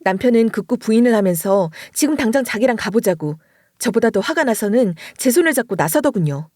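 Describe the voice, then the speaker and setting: A woman narrates a dramatic first-person story in an expressive storytelling voice. Her pitch sits a little high and moves a lot. The recording is dry and close. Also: a little fast, no room sound.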